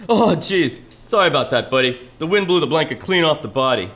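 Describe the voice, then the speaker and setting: An actor as a bright, forceful cop. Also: male voice, a little high, expressive, a little fast. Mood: brisk, concerned. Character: brisk, chatty police officer at a crime scene. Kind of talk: live old-time radio play acting. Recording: roomy live club recording, some noise.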